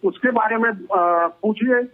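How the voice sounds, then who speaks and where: Male spokesman by phone, high voice, scornful and dismissive. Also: a little slow. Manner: dismissive, scornful toward opponents. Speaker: party spokesman. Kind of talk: debate guest by phone. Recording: tinny phone line.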